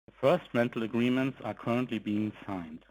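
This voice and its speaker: A man giving a formal, measured corporate presentation, reading from a script in short phrases as an executive on an investor call. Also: medium pitch, a little mellow, poor audio. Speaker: company executive presenting financial results.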